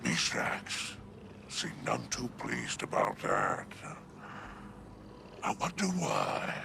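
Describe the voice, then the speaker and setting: A sly alien crime boss from a video game, heavy with gravel and fry. He drawls theatrically and sardonically, swooping grandly up and down at an unhurried pace. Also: lowish voice, huge pitch swings, noisy background, exaggerated voice. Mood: smug, scheming. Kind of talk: video game character acting. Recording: music behind the voice.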